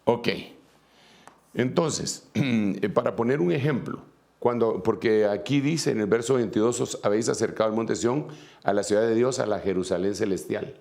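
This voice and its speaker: A man's voice: lowish voice, normal speed, creaky, darkish tone. A man preaching a sermon, reading scripture aloud and then explaining it at a whiteboard with many fillers and asides.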